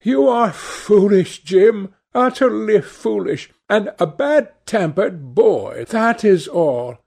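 A man's voice: high-pitched, animated, slow, gravelly, a little mellow, voice pushed up, full character voice. A man voicing a young woman in love, light and pleading in tone as she teases her brother. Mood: scolding.

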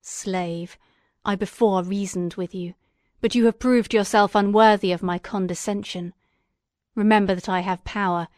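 A woman's voice: medium pitch, steady tone, moderate pace, darkish tone, no echo, clean studio sound, natural voice. A woman voicing a bitter, vengeful male creature in an audiobook reading, speaking in a brooding, threatening way. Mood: menacing.

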